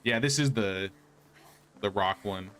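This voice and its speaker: A man's voice: lowish voice, a little slow, fairly bright tone, soft background music. A man doing casual livestream gameplay commentary, chatting and thinking aloud as he plays. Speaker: game streamer.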